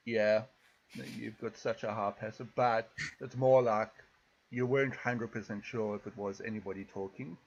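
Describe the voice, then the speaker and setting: A man with a South African accent acts as game master for a tabletop game, narrating in a relaxed, loose style full of fillers. His voice is on the low side at a moderate pace, and the audio sounds dull.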